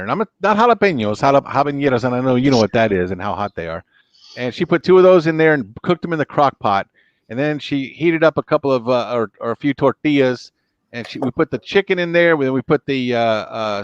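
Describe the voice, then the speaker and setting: A man's voice: medium pitch, no echo, dull audio. A middle-aged man with an American accent, chatting casually as a livestream host and reading out comments. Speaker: livestream host, former law enforcement officer. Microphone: close microphone on a boom arm.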